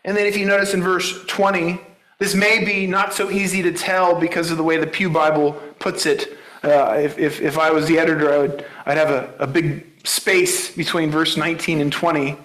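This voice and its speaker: A man's voice: on the high side, flat delivery, normal speed, a bit bright, roomy sound, low-quality recording. A man preaching a sermon, explaining a Bible passage in a conversational teaching manner and checking in with the congregation. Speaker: pastor.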